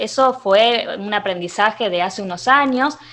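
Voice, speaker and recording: Woman with an Argentine accent and ordinary pitch variation. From Argentina. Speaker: singer and vocal coach. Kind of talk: podcast interview answer.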